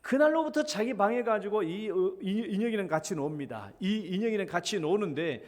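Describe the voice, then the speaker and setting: A middle-aged male pastor with a fairly high voice preaches in a church, and his words ring out with a long reverb. He tells stories vividly and slips into the voices of his child and of himself as he goes. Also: expressive, a little fast. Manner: storytelling, acts out his child's pleading and his own feigned reluctance. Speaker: senior pastor. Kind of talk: sermon. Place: church sanctuary.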